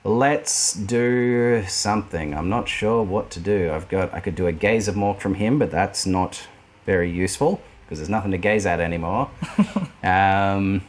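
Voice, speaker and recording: A man, hosting and playing a tabletop wargame, excitable and quick to laugh. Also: deep voice. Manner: excitable, exclaims and laughs often. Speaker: wargame player and channel host. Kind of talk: casual tabletop game commentary.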